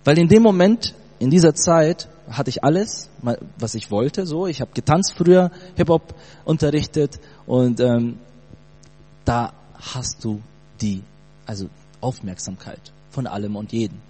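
A man in his late twenties from Brazil, telling his personal faith story in a casual, animated way with youth slang. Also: mid-range voice, unhurried, breathy edge. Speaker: church testimony speaker. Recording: long hall reverb with mains hum.

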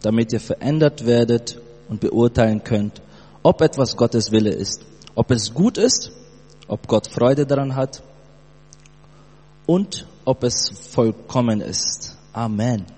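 A Brazilian-born man in his late twenties giving a fervent church testimony, halting often with fillers. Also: medium pitch, lively intonation, warm tone, slightly rough, soft background music. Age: 20s. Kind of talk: sermon testimony. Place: church hall. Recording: long hall reverb, mains hum.

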